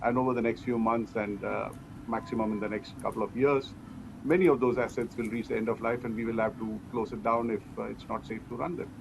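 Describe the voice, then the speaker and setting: A man giving measured, explanatory answers as a company executive in an interview. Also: fairly low pitch, little pitch movement. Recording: clearly noisy background.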